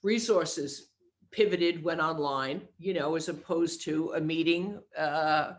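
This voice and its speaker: A woman's voice: deep voice, takes it slowly. A woman hosting a podcast, asking questions and adding short encouraging comments in a casual conversational way. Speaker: podcast host.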